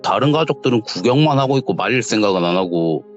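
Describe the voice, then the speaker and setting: A young man, casually telling a true ghost story in a quietly dramatic, conversational way. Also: lowish voice, expressive, fast talker. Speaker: guest storyteller. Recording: lo-fi audio with faint music.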